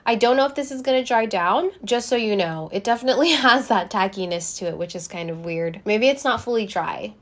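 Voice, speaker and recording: A woman's voice: fairly high pitch, lively intonation, a little fast, hardly any pauses. A young woman vlogging a casual lipstick review, chatting to viewers as she swatches and applies, a little congested from a cold. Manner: chatty, talks to viewers while applying lipstick. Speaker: beauty vlogger.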